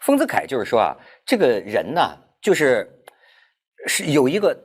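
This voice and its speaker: A man telling a story in a casual round-table talk, animated, with many restarts. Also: mid-range voice, moderate pace, slightly rough. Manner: animated storyteller, stammering restarts, laughs while talking.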